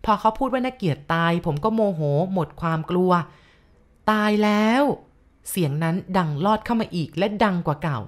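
A woman narrating a first-person ghost story in a steady, measured way. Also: on the low side. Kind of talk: story reading.

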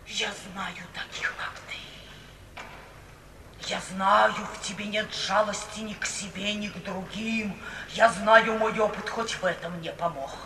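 A woman's voice: mid-range voice, fairly even intonation, unhurried, sharp tone. An actress playing a bitter, self-pitying, vengeful middle-aged mother in a melodramatic 1950s radio play style. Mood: bitter contempt. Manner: melodramatic, wailing, declamatory. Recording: roomy, distant 1950s radio recording, faint hiss.

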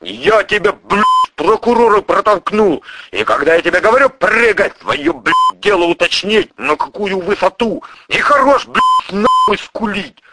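A man voicing a furious, foul-mouthed male crime boss who shouts and hectors in an audiobook. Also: high voice, big pitch swings, measured pace, few pauses, voice pushed up, exaggerated voice. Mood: enraged.

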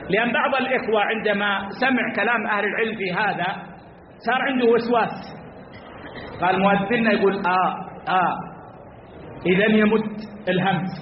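A man teaching a religious lesson, speaking slowly and repeating key phrases for emphasis. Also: high voice, a little hiss or hum. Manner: addresses listeners as brothers; slow and deliberate, drawing out words. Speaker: Islamic scholar teaching a class. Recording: echoey hall over tinny lo-fi line.

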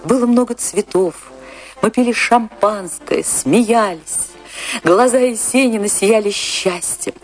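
A woman's voice: medium pitch, takes it slowly, soft background music, lightly acted. An actress playing a passionate, lovestruck female dancer remembering her poet husband in a theatrical radio-play monologue. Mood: tender, elated. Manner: theatrical, lingering, rapturous delivery. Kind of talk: dramatic first-person monologue in a radio play.

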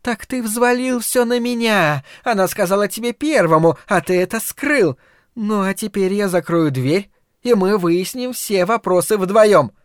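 A man's voice: high-pitched, lively intonation, measured pace, no room sound, clean studio sound, voice pushed up. A man voicing a furious, cruel middle-aged mother who shrieks and sneers with biting sarcasm, in an audiobook reading. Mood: cold sarcasm. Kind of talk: audiobook character voice.

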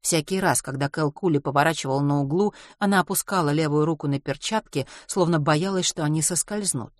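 Calm, even novel narrator, dry booth sound. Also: mid-range voice, fairly quick, no room sound. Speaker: audiobook narrator. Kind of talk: scripted narration.

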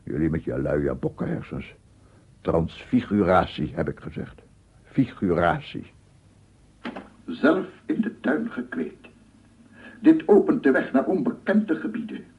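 An actor playing a paranoid, embittered amateur sound researcher in a theatrical radio drama monologue, muttering and proclaiming. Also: male voice, low-pitched, big pitch swings, measured pace, long pauses, breathy edge, exaggerated voice. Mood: indignant muttering, then fanatical proclaiming. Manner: theatrical, muttering to himself, repeating words, swelling into proclamations. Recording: muffled narrow-band old radio recording, noisy.

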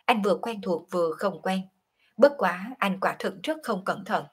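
A woman voicing a calm young woman who confides in her lover, in an audiobook reading. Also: mid-range voice, normal speed, slightly rough. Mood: confiding.

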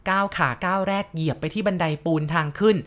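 A woman's voice: mid-range voice, quick pace. A woman narrating listener-sent ghost stories, polite and talking straight to her audience. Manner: polite, addresses listeners directly.

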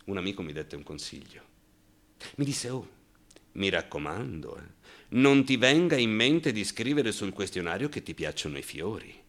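Bitter, wounded gay man, low-voiced. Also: big pitch swings, fairly bright tone. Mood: wry, confiding. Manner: halting, repeats words, rhetorical questions, bursts of sarcasm. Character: bitter, wounded gay man denouncing macho military cruelty. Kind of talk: theatrical radio monologue, colloquial and impassioned.

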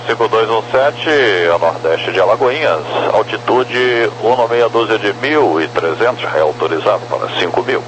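A Brazilian man works as an air traffic controller, giving instructions in a fairly low voice. He is heard through a helmet radio, with clear noise and hum over the transmission. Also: lively intonation, moderate pace, hardly any pauses. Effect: aircraft helmet radio. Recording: noisy aviation radio with hum.

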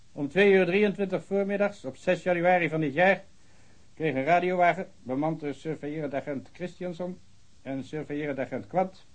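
An actor playing a formal, pedantic police official who reads out a report in stiff officialese. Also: male voice, on the high side, close to an everyday voice. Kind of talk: radio drama acting.

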